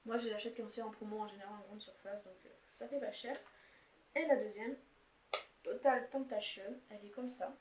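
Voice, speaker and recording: A woman's voice: medium pitch, fairly even intonation, a little fast. A young woman showing and swatching her makeup palettes in a casual, rambling chat, full of fillers and restarts. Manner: chatty, rambling, filler-heavy. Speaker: beauty vlogger. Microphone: camera's built-in mic. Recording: echoey room, faint noise.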